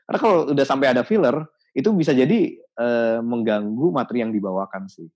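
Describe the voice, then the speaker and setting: A man in a casual podcast chat, explaining his advice thoughtfully with many pauses and restarts. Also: mid-range voice, darkish tone. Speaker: podcast guest.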